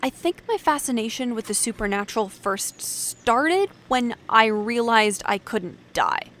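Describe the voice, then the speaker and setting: High-voiced, sardonic woman doctor. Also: animated, a little slow, a bit bright. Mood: defiant, insistent. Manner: wry, profane, emphatic. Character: sardonic, defiant woman doctor fascinated by the supernatural. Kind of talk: audio drama acting.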